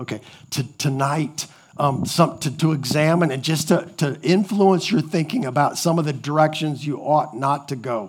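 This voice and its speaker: A somewhat breathy man's voice at a fairly high pitch, with ordinary pitch variation and a moderate pace. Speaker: church teacher. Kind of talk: lecture. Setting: church classroom with audience.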